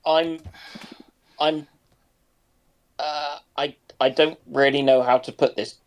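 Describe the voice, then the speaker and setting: A man's voice: on the high side, fairly even intonation, slow. A man in his forties chatting casually in a group, hesitant, starting and restarting his phrases. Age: 40s. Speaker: geriatrician who trains doctors. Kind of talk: casual group chat on a livestream.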